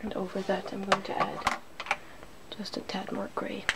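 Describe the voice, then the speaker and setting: A woman's voice: mid-range voice, monotone, normal speed, creaky. A woman hosting a casual ASMR makeup demonstration, chatty and giggly, drifting into whispers. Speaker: ASMR video host.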